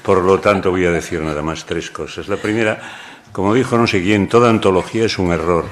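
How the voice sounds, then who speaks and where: A man's voice: low-pitched, fairly quick, a little hiss or hum. A man from Galicia, a translator, speaking wryly and digressively on a panel at a poetry event. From Galicia, Spain. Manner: wry, joking, digressive. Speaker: translator and anthologist. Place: university lecture hall.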